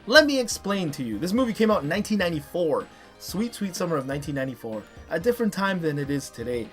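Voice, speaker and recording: A man in his thirties or forties talks like an enthusiastic fan hosting an online countdown. His voice sits a little high. He gives his opinions casually and conversationally, with music playing behind him. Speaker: online movie reviewer and host.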